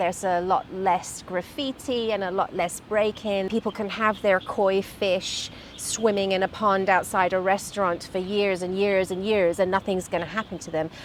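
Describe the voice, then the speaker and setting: With a southern English accent, this woman uses a medium pitch and fairly even intonation. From England, Brighton. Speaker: business coach. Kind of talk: interview.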